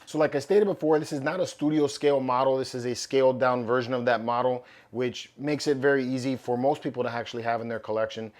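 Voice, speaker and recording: A man hosting a collectibles channel, chatting casually through an unboxing while his voice is going hoarse. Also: medium pitch, fairly even intonation, fast, few pauses, darkish tone. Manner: upbeat, loose and chatty with fillers. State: losing his voice, slightly hoarse.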